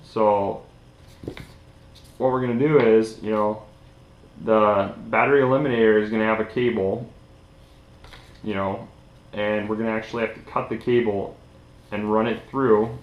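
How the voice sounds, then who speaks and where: Young man, lowish voice, casual DIY tutorial host, informal explaining, echoey small room. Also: steady tone, normal speed, long pauses, dull audio. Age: young adult. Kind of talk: casual hands-on demonstration. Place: small indoor room at a table.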